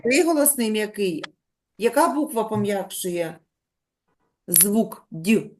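Lively woman teacher guiding children. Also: medium pitch, slight background noise. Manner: patient, drawn-out dictation to young children. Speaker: primary school teacher. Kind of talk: classroom lesson.

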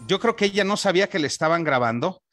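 A man with a Mexican accent co-hosting a casual talk show, rambling through gossip in slang with lots of filler pauses. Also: high voice, expressive, a bit bright, soft background music. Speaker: co-host. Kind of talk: casual political gossip chat.

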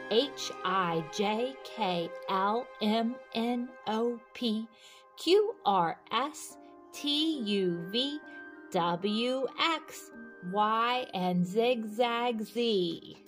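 A woman reads a children's book aloud in a fairly high voice. Her delivery is very unhurried and sing-song, with expressive phrasing aimed straight at young kids. Light music plays along.

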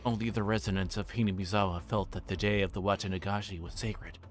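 Low-voiced man on a livestream. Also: steady tone, fast, soft background music. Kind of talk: casual livestream chat and reading visual novel text aloud.

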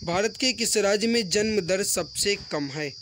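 Male online teacher, high-pitched voice, brisk quiz delivery, repeated questions, friendly address to students, faint rattling wind noise. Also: fairly bright tone. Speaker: online exam-prep teacher. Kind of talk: mock-test quiz lesson, reading and answering questions. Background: wind noise from a storm outside.

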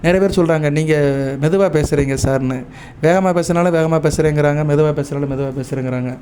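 Tamil-accented guy talking rituals and mantras, dark mellow tone, faint room hum behind. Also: on the high side. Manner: repeats "சரியா?" often, measured and instructive; chants mantras and praise lists in a steady recitation. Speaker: astrologer. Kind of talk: devotional advice talk to viewers.

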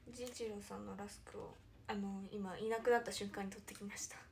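A young woman hosting a casual livestream chat, giggly and animated, who often drops to a near-whisper. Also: mid-range voice, fast talker, vocal fry, a little hiss or hum. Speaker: idol livestream host.

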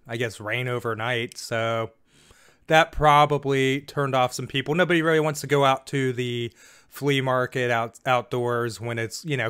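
A man's voice: a little high, fairly bright tone, clear, resonant tone. A man in his thirties chatting casually to camera about his finds, rambling with fillers, recorded on a studio mic in a small room. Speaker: reseller vlogger. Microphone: studio mic in front.

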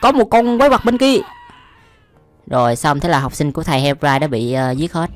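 A man's voice: fairly high pitch, lively intonation, fairly quick. A young man with a Southern Vietnamese accent giving casual, slangy, exclamatory reaction commentary as a video host. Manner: slangy, frequent exclamations and laughter.

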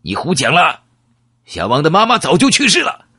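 A man's voice: a little high, huge pitch swings, moderate pace, breathy edge, no room sound, studio quality, pitched above the performer's own voice, heavily acted. A man voicing a suspicious male guard who questions a stranger sharply in an audiobook. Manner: sharp, accusing.

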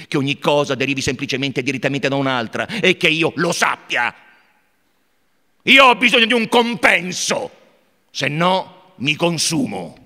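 A male actor doing a brooding young intellectual who argues fervently, his bright, ringing voice leaping up and down in pitch as he declaims. The theatrical literary reading sounds out through a long, echoing hall reverb. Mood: impassioned. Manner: declamatory, fervent, swings from hushed to shouted. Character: impassioned brooding young man arguing with his brother. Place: theatre stage before an audience.

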